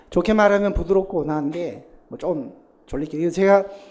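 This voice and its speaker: Lively intonation comes through at a moderate pace, with audible room echo. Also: man. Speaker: civil service exam lecturer. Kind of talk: lecture. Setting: classroom with students. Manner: drowsy-sounding, lulling.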